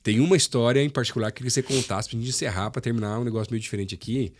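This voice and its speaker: A man hosts a casual church podcast, talking fast and filling gaps with quick agreements. His voice sits in a middle register. The tone is friendly chat between colleagues. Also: medium pitch, steady tone. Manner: quick, chatty, lots of affirming fillers. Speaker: podcast host.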